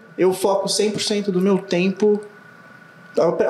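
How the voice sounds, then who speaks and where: A man speaks over noticeable background noise. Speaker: English test tutor. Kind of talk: casual interview.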